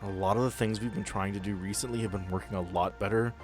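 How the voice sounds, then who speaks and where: A man's voice: fairly low pitch, fairly even intonation, fast talker, over music, natural voice. A man voicing a friendly, grateful young woman botanist in a tabletop game, earnest and chatty.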